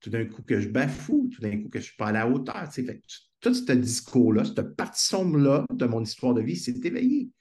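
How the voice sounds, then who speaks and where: A man's voice: mid-range voice, big pitch swings, brisk, hardly any pauses, darkish tone. A man with a Québécois French accent, a guest speaker telling stories in a conversational interview, earnest and enthusiastic, on a video call.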